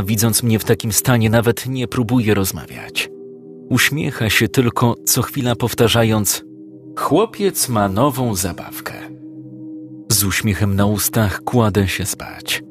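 Guy reading an audiobook, calm and measured, lowish voice, faint music underneath. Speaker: narrator. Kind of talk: scripted audiobook narration.

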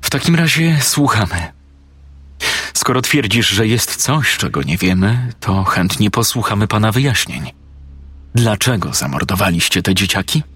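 A man voicing a determined adult woman detective who talks calmly and firmly, in a husky, low voice. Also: normal speed, no room sound. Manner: calm, firm, persuasive.

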